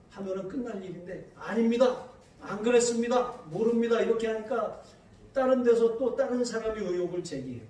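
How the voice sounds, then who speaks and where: A man preaching, recorded from a distance in a big, ringing church sanctuary. His voice sits high. He reads scripture slowly and turns to lively anecdotes. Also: very echoey, a little hiss or hum. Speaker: pastor. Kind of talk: sermon.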